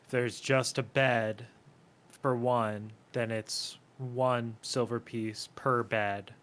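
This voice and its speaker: A man's voice: mid-range voice, fairly even intonation, slow pace, fairly bright tone. A man playing in a tabletop game, reading prices out in a matter-of-fact way. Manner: matter-of-fact, reads rules out. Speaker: player. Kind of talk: casual game table chat.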